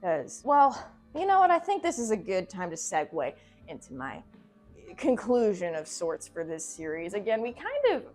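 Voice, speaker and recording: A woman's voice: mid-range voice, wildly swooping pitch, normal speed, a little mellow. A woman doing casual, joking video commentary, sarcastic, irreverent and profane, with a theatrical streak. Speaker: video essay host. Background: background music.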